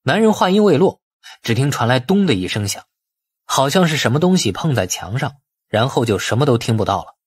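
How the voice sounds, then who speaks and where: Guy narrating a thriller audiobook, dramatic and animated, husky voice, really dry recording. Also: mid-range voice, fairly quick, dry recording. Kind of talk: dramatic scripted narration of a suspense novel.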